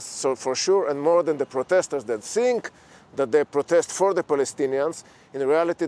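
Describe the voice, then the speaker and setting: Slightly high middle-aged man. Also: a little mellow. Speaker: interview guest, relative of captives. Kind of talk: earnest live interview answer. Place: outdoor terrace in a city.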